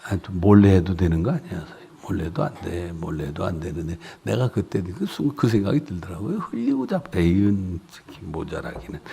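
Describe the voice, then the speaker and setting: A man's voice: deep voice, vocal fry, husky. A man preaching at a revival meeting in a church, telling stories animatedly and putting on the voices of the people in them. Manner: animated storytelling with acted voices. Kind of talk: revival sermon. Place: church sanctuary.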